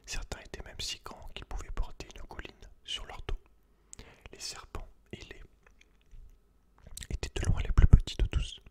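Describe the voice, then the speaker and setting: A man's voice: moderate pace, long pauses, a little mellow. A man whispering breathily as an ASMR host, reading aloud and chatting informally to the listener. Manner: informal, addresses the listener directly as a friend.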